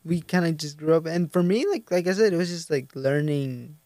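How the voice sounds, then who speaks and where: A man's voice: a little high, brisk, no echo. Hesitant young man, Spanish native. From Mexico. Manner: hesitant, filler-heavy, soft-spoken. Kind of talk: casual chat.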